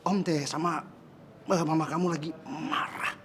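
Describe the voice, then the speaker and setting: An actor playing Diki, a henpecked husband who talks softly and placatingly, then tries to sound tough. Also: male voice, on the high side, fairly even intonation, moderate pace, noisy background, natural voice. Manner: soft, placating, then bluster. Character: henpecked husband Diki, blustering but meek.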